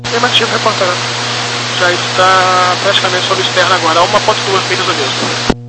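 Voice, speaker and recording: A man's voice: sits high, fairly even intonation, brisk, over loud music. A Brazilian man, an airline pilot talking over the radio to air traffic control. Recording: very noisy aircraft radio with hum.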